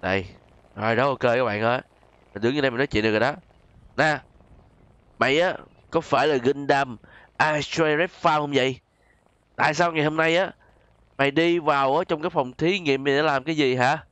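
A man's voice: medium pitch, a little fast, pauses often, a bit bright, clear, resonant tone, no echo. Southern Vietnamese man doing game commentary. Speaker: gaming video host. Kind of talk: casual gameplay commentary addressed to viewers.

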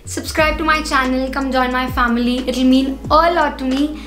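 A woman's voice: sits high, steady tone, normal speed, fairly bright tone. Upbeat young woman in an echoey room. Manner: enthusiastic, gesturing widely while walking around. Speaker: vlogger giving a home tour. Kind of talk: casual chat to camera. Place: echoey indoor living room. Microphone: camera-mounted shotgun mic.

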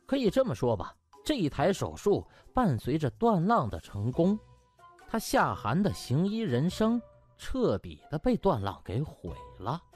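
A man's voice: a little high, a little mellow, slightly rough. A man reading a story as an audiobook narrator, dramatic and emphatic in his scripted delivery.

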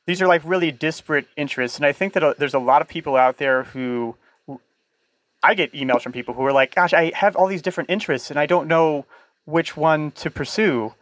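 Higher-voiced man hosting, dry close sound. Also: a little fast, fairly bright tone, dry recording. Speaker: podcast host, interviewer. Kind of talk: casual interview questioning.

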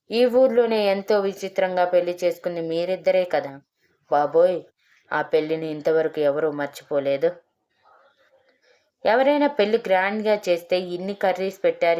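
A woman's voice: on the low side, warm tone, highs cut off, close to an everyday voice. A woman voicing a meddling older male village president who taunts and gossips in a storybook reading.

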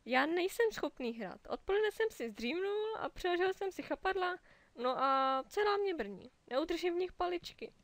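A woman's voice: expressive, dry recording. A woman doing a flustered octopus drummer. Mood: upset. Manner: agitated, blurting, raised pitch.

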